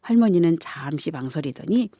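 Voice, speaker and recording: Expressive woman storyteller with lively pitch. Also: normal speed, no echo, clean studio sound. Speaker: radio host reading a children's book. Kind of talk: storybook narration on community radio.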